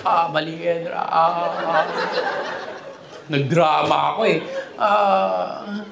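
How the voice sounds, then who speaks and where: Stand-up comedian, man from the Philippines, high and animated, acts out quotes, live in an echoey hall with a loud crowd. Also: extremely slow, creaky.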